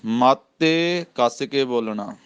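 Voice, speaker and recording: A man with a Punjabi accent teaching scripture recitation, chanting each phrase slowly and then explaining the pronunciation in plain speech. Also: medium pitch, expressive, clean tone. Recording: slightly dull, lo-fi recording.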